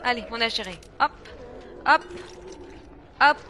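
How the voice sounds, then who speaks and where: A young woman from France talks through a horror game in casual, chatty commentary. Her voice is bright and fairly high, jumping between excited shrieks and low mutters. A faint hum sits behind her. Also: unhurried. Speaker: gaming streamer. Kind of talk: casual let's-play commentary.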